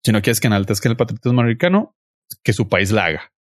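A man's voice: lowish voice, big pitch swings, fast, dry recording, clean studio sound. A young man with a Mexican accent hosting a podcast, chatting casually and insisting on his opinions in slangy terms. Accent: Mexican Spanish. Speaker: podcast host. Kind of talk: casual chat reviewing a series.

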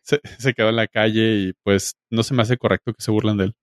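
A man's voice: on the low side, fairly even intonation, a little fast, no room sound, clean studio sound. A man from Mexico with a Mexican Spanish accent, chatting casually as a podcast host in slangy, joking language. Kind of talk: casual chat.

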